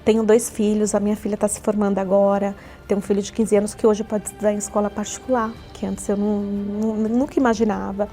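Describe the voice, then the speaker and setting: Speaking with a Brazilian Portuguese accent, this church member in her forties delivers a heartfelt testimony full of repetition. Her medium-pitched, mellow voice moves quickly with little pitch variation and hardly any pauses, over faint background music.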